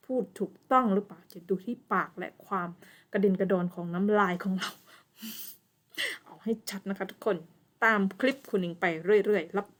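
A woman with a Thai accent teaching English pronunciation in a casual online lesson, saying English words slowly and loudly and chatting quickly in Thai between them. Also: mid-range voice.

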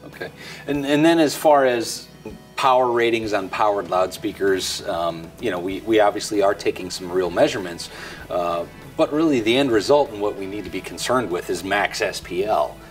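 A middle-aged American man with a fairly low voice presents a product tutorial conversationally. Music plays along with his speech. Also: moderate pace. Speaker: video tutorial host. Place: indoor product display set.

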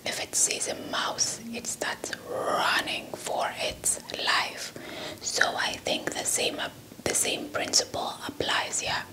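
A young adult woman from South Africa telling a folktale as ASMR in a breathy whisper, repeating words and phrases close to the microphone. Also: slow pace, low-quality recording. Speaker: ASMR storyteller. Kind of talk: whispered ASMR folktale storytelling with playful roleplay. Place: small indoor setup before a cloth backdrop. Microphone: handheld microphone with fluffy windscreen, held close.

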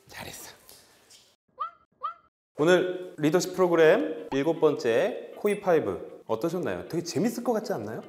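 A male dog behavior veterinarian and trainer giving an upbeat training demonstration, bursting into cheerful praise and quick commands. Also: fairly high pitch, darkish tone. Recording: echoey hall with faint music.

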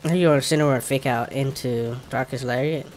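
Speaking briskly in a mid-range voice, a man with an African American English accent gives casual commentary over a video game he's playing. He thinks out loud and mutters to himself informally, with game music behind him.

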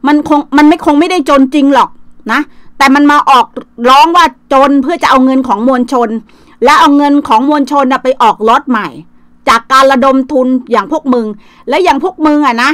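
A woman's voice: high voice, brisk, a bit bright, no room sound. A middle-aged woman from Thailand hosting a casual livestream, coarse and taunting, swearing freely. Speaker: livestream host. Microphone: phone livestream.

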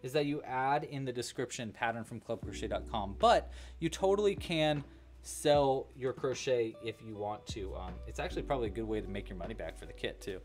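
A man's voice: medium pitch, expressive, brisk, darkish tone, faint music behind. A young man hosting a casual livestream crochet tutorial from a home studio. He chats with viewers, thanks donors and counts his stitches aloud as he works.

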